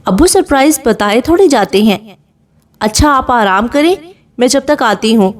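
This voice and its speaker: A sweet, playful daughter from a spoken novel, read by a woman. She tends her sick father in a bright, fairly high voice. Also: lively intonation, lightly acted.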